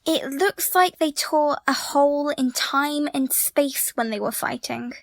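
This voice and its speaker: An actress plays a suspicious young woman in an audio drama, blunt and snappy. Her voice is high and slow-paced, recorded dry. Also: vocal fry, no echo. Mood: explaining.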